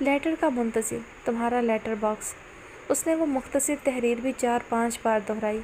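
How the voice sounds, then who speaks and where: Noticeable background noise sits behind a woman with a high pitch. She talks at a fairly slow pace and keeps her loudness very even. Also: fairly even intonation. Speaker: audio novel narrator. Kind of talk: reading aloud.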